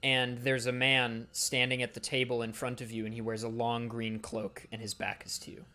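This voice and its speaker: A man narrating a tabletop game as game master, describing scenes in a relaxed way with fillers. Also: mid-range voice, moderate pace.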